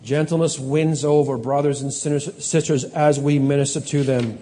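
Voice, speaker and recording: Earnest pastor preaching in a reverberant hall. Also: male voice, medium pitch, steady tone, warm tone. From Canada. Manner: earnest, with slow emphatic scripture reading and self-corrections. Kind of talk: sermon.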